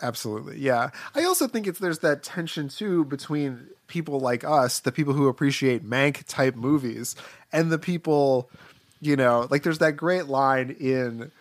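A man with a mid-pitched voice in a casual film discussion, recorded dry and close. He talks as a podcast co-host, hedging his points in loose, conversational phrases. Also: normal speed, no echo.

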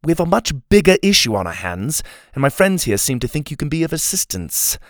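A man's voice: a little high, big pitch swings, fairly quick, no room sound, clean studio sound, voice pushed up. A man reading a storybook, voicing a tiny, fussy armored male fairy with a prim, bossy manner.

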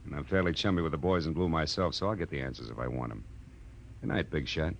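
An actor playing a wry, slangy, hard-boiled private detective in a 1940s radio drama. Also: male voice, extremely low pitch, fast, vocal fry, dull audio. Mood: pressing, wry. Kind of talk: 1940s radio detective acting and first-person narration. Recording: old radio drama with music.

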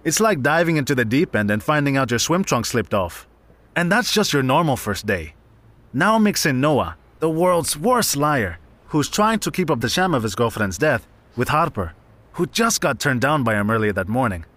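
A man's voice: mid-range voice, very animated, normal speed, fairly bright tone. A man playing a wry, chatty Latino support group member who narrates a comedic audio drama like a storyteller. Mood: wry, amused.

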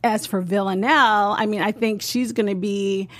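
A woman's voice: medium pitch, fairly even intonation, moderate pace, a bit bright, dry recording. A woman co-hosting a TV review show, talking casually with lots of fillers. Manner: chatty, frequent fillers and laughs. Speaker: podcast co-host.

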